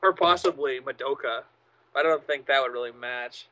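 A man's voice: mid-range voice, normal speed, bright, forceful tone, highs cut off. A man co-hosting a casual podcast chat, sardonic and swearing freely. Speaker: podcast co-host.

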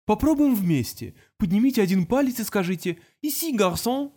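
A man's voice: sits high, animated, normal speed, dark tone, pitched above the performer's own voice. A man voicing a patient teenage boy genius who talks in a precise, lecturing way.

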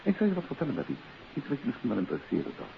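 A man's voice: medium pitch, huge pitch swings, rapid-fire, vocal fry, heavily acted. A man playing a confident author-detective in a 1950s radio play, coaxing and insistent as he questions. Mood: probing. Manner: urbane, persistent, adds questioning tags. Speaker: radio drama lead actor. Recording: hissy, muffled 1950s radio recording.

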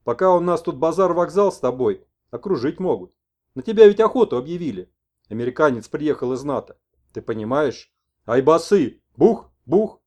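A man's voice: on the high side, expressive, a little fast, a little mellow, close to an everyday voice. A man voicing a talkative old village grandfather with a folksy, colloquial manner.

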